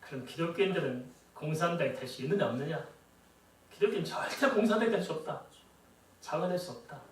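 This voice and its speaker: Man, middle-aged, pastor, conversational sermon, rhetorical questions, slightly high voice, echoey church hall. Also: animated, quick pace, recorded from a distance. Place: church sanctuary.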